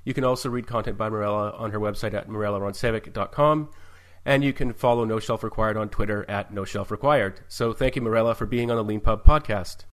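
A man hosts a podcast and reads the guest's introduction, then asks questions. He speaks in a low voice, measured and polite, with the odd filler. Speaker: podcast host. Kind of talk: podcast interview.

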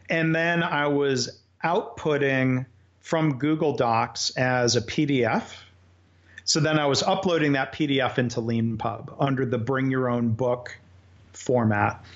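A man talks through his process in a conversational interview, pausing and restarting as he thinks. His voice sits in a middle register. The audio is a little dull and lo-fi. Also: medium pitch. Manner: thoughtful, halting, with frequent fillers and restarts. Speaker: author guest.

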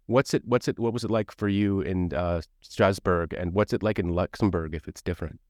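A man's voice: deep voice, fairly quick, a little mellow, no echo, studio quality. A man from Canada hosting a podcast interview, chatting in a rambling way with many restarts. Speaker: podcast host. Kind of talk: casual interview conversation.

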